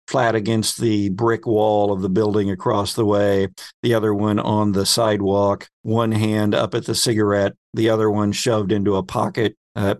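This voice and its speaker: A man's voice: on the low side, dry recording. Man narrating a tabletop game, dry close sound. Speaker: game master and host.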